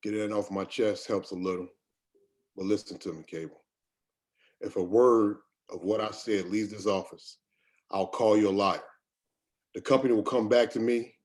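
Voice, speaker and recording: A man's voice: on the low side, steady tone, normal speed, pauses often, darkish tone, lightly acted. A man playing a weary, defensive company doctor, bitter and resigned, in a screenplay table read.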